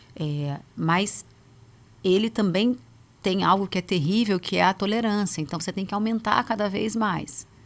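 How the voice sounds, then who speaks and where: Using a normal speaking voice, a woman talks fairly slowly, her pitch varying in an ordinary way. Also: medium pitch for a woman. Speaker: psychologist. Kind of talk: podcast interview.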